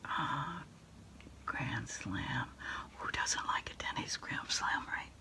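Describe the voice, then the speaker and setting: A middle-aged woman doing a hushed ASMR roleplay, unhurriedly taking orders into a phone handset. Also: rumbling low, wildly swooping pitch, takes it slowly. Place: small indoor desk space.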